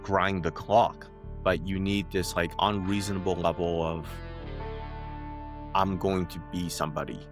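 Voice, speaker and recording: A man from China, a guest, speaking in a relaxed, candid interview manner with many "like"s. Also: low-pitched, a little slow, over music. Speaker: guest, company founder. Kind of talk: casual interview talk.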